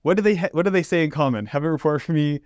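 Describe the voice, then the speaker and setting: A man hosting an interview show, reacting with excitement and asking casual follow-up questions. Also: on the high side, racing, no echo, clean studio sound. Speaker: podcast host.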